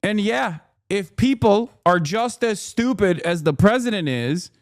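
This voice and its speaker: High-voiced sarcastic streamer, dry sound. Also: male voice, measured pace, dry recording. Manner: sarcastic, profane and animated. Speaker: livestream host. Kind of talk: reaction commentary.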